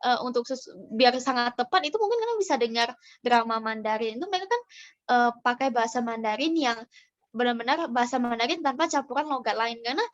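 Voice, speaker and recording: A woman's voice: on the high side, lively intonation, quick pace. A young woman answering a webinar question over a video call, hesitant and thinking aloud with fillers. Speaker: guest speaker. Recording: muffled call audio.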